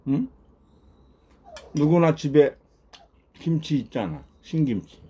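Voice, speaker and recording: A man's voice: a little high, slow pace, dark tone, husky. A man hosting an eating show, talking casually with his mouth full and laughing between remarks. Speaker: mukbang host.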